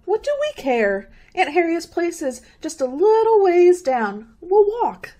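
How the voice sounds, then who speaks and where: A woman's voice: extremely high pitch, sing-song, measured pace, dark tone, heavily acted. A woman playing a chipper, dismissive, stubbornly optimistic young college student in a radio play. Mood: brisk, impatient.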